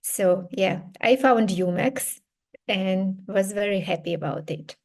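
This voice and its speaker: A woman from Ukraine with a Ukrainian accent, a podcast guest who answers slowly and thoughtfully, with many hesitations. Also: mid-range voice. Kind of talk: interview answers.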